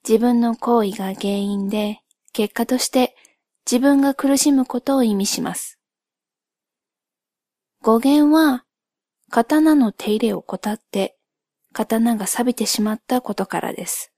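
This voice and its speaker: A woman with a slightly high voice talks very slowly in a soft, ASMR-like monologue. She is gentle, polite and measured as she explains things. The sound is dry, with hardly any room to it. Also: no echo. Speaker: host of a solo spoken channel.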